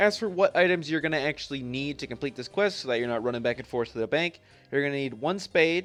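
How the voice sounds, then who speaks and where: Music plays in the background as a man talks at a very fast pace, his pitch fairly high with ordinary pitch variation. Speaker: video game guide creator. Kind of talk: game tutorial walkthrough. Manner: casual with filler words.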